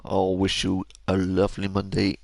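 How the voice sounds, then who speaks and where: Gravelly low Belgian-accented race caster. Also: male voice, completely flat delivery, moderate pace, no echo. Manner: hesitant, many fillers and restarts. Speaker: race commentator. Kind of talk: sim racing commentary. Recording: game engine noise and loud music behind. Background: engine noise and music.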